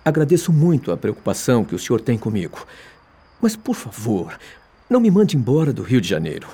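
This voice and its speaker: An actor playing an earnest young adult son in a radio drama, imploring and respectful. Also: male voice, mid-range voice, a little mellow, husky. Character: pleading, earnest young son, humbled but in love. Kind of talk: melodramatic radio drama acting.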